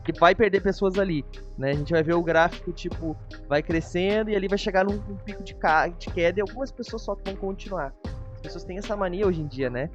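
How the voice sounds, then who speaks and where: A Brazilian man with a fairly high voice hosts a relaxed review chat. He talks informally and chattily. The sound is a little dull, with faint music underneath. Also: a little fast. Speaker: host. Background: faint background music.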